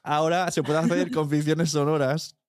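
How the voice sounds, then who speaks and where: A man's voice: fairly high pitch, level tone, moderate pace, no room sound, studio quality. A man with a European Spanish accent hosting a casual podcast conversation in an informal, anecdotal way. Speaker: podcast host.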